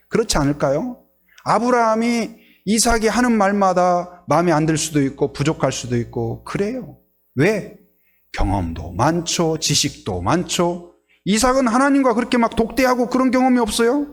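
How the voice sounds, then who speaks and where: Man, pastor, sermon, questions to the congregation, lively pitch, high voice. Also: a little hiss or hum. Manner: animated, asks the congregation questions.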